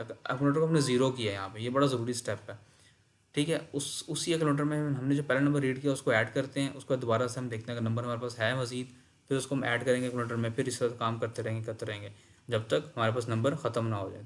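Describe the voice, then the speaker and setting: Man explaining programming in mixed English. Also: mid-range voice. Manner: mixes English terms and read-out textbook lines into explanation, repeats key points. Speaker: teacher.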